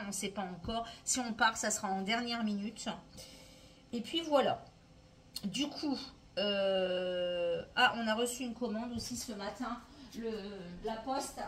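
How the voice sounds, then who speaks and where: A woman's voice: a little high, fairly bright tone, slight background noise. Chatty French woman vlogging at home. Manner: chatty, rambling, many hesitations. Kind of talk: casual daily vlog chat. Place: at home indoors.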